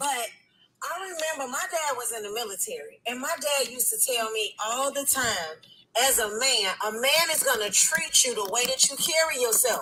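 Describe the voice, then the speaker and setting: With noticeable background noise behind her, a woman uses a raised, projected, high-pitched voice with lively intonation at a moderate pace. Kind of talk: casual group discussion.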